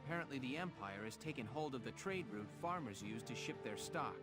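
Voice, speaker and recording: An actor playing a polite, earnest young squad officer in a video game, courteous and businesslike. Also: male voice, medium pitch, animated, brisk, natural voice. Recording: loud game music behind. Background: game music.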